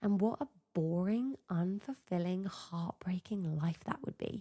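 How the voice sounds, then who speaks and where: A woman's voice with a dark, mellow tone. It sounds somewhat breathy. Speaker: sales coach podcast host. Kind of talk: solo podcast monologue. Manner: animated.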